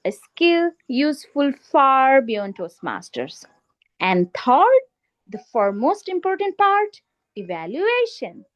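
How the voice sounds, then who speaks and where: High, lively woman speaking slowly. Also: highs cut off. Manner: slow, deliberate delivery with rhetorical pauses; emphatic, in short list-like phrases. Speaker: meeting host. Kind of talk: formal speech opening a club meeting.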